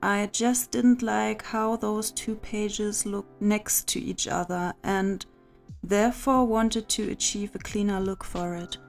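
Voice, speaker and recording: A woman's voice: medium pitch, fairly even intonation, takes it slowly, creaky. A woman narrating a craft video voice-over in a chatty, confiding way, as the host of her channel. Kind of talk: scripted voice-over narration of a journal setup. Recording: music behind the voice. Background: background music.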